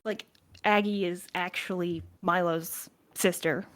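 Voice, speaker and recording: A woman's voice: fairly low pitch, steady tone, slow, a bit bright. A woman speaking casually as a crew member in a podcast question-and-answer chat.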